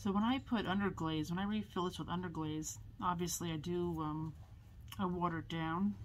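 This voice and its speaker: Her pitch varies in an ordinary way as this woman, using an ordinary speaking voice, keeps to a moderate tempo. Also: fairly low pitch for a woman. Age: 60s. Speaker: potter. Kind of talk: tutorial. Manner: casual, chatty.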